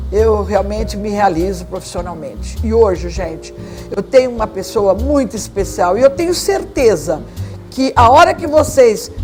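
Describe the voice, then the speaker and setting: A woman's voice: mid-range voice, a little mellow. A woman hosting a local TV talk show, effusive and complimentary as she introduces and questions her guest. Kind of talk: warm effusive TV interview.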